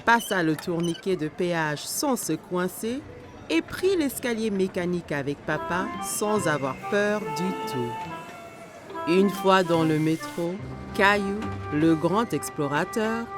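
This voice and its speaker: A woman narrating a scripted children's story in simple sentences, with expressive storytelling. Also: fairly low pitch, slow pace. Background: music.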